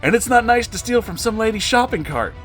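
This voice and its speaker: A man's voice: high voice, lively intonation, brisk, fairly bright tone, faint music behind, voice pushed up. Man as a cocky, mock-sweet unicorn store worker. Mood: sickly sweet scolding. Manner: taunting, sickly-sweet customer service politeness.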